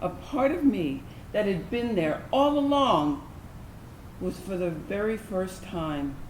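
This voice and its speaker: Reflective lesbian, played by a woman, slow confessional stage monologue recalling girlhood, echoey room, slight noise. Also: mid-range voice, animated. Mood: reflective, confiding. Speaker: actor in a staged reading. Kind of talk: dramatic monologue reading. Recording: roomy, noisy live stage recording.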